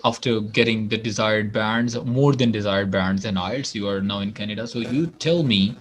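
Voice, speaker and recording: A man's voice: medium pitch, a little hiss or hum. A man hosting an interview, asking questions and encouraging his guest with frequent murmured acknowledgements. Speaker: interviewer, host.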